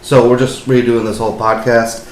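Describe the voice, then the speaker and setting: A man's voice: medium pitch, level tone, normal speed. A young man hosting his own podcast, talking casually and rambling with lots of fillers and apologies. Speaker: podcast host. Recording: echoey room, faint hiss.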